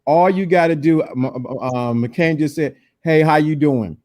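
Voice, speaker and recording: A man in his forties giving casual dating advice, quick and repeating himself for emphasis. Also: a little high, darkish tone. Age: 40s.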